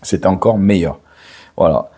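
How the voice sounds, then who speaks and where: An older man, hoarse from a cold, chatting slowly to camera with many hesitations and restarts. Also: low-pitched, dark tone. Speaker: father and channel host. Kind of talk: casual direct-to-camera chat.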